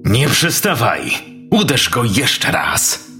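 A man's voice: medium pitch, wildly swooping pitch, slow, bright, forceful tone, faint music behind, voice pushed up, heavily acted. A man voicing a cruel, commanding male gang leader with a cold, threatening delivery. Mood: goading.

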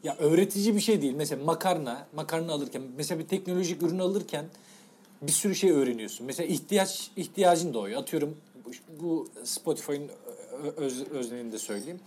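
A man's voice: fairly high pitch, fast talker, dark tone. A man co-hosting a podcast, chatting casually with a friend in a playful, mock-serious, colloquial way. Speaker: podcast co-host. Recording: faint background noise, room ambience.

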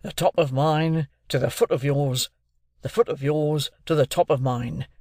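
A man reading aloud and voicing a bluff, hearty army sergeant who gives brisk orders and jovial toasts. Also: a little high, a little mellow, dry recording, clean studio sound, natural voice.

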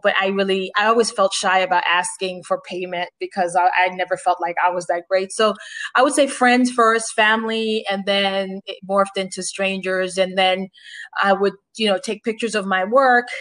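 A former broadcaster and makeup artist, born in Haiti and raised in Boston, speaks in a mid-range, fairly bright voice. As a guest in a conversational interview she's reflective and often restarts.

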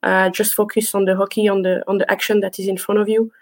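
A woman's voice: medium pitch, flat delivery, fast talker. Belgian woman with a mid-range voice. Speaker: interview guest, field hockey umpire. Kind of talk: conversational interview answers.

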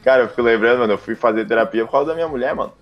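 A man's voice: mid-range voice, rapid-fire, faint music behind. A Brazilian man hosting a podcast in a slangy, laid-back casual chat. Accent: Brazilian Portuguese. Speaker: podcast host. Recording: dull lo-fi audio.

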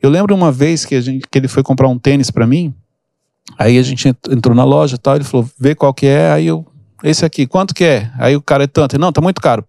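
Fast-talking gravelly man. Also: mid-range voice, darkish tone, no room sound, clean studio sound. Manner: storytelling, acts out quoted people. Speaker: podcast host and mentor. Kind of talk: casual teaching chat.

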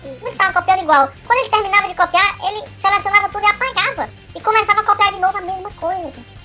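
A Brazilian man telling a work story in casual chat, his voice raised by a pitch-shifting voice changer. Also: soft background music, full character voice. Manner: rapid, animated storytelling with frequent tag questions. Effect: pitch-raising voice changer, high chipmunk-like. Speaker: podcast panelist.

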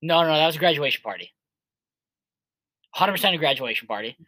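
A man's voice: on the high side, expressive, fast, sharp tone, no echo, poor audio. Rambling young man co-hosting a podcast. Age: 20s. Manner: rambling, heavy on filler words. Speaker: podcast co-host. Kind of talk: casual chat.

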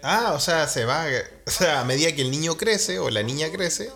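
A man's voice: a little high, animated, normal speed, creaky, bright, forceful tone. A man with a Chilean accent bantering casually as a podcast co-host, slangy and sweary, firing off jokey, incredulous questions.

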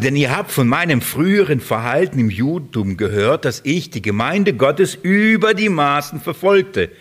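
Emphatic man preaching. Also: medium pitch. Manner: emphatic, repeats phrases for stress. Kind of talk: sermon.

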